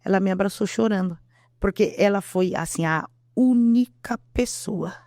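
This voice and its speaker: Mulher brasileira dando testemunho emocionado. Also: female voice, medium pitch, normal speed, dark tone, dry recording, clean studio sound. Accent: Brazilian Portuguese. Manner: earnest, repeats herself, acts out quotes. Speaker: interview guest. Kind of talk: emotional testimony.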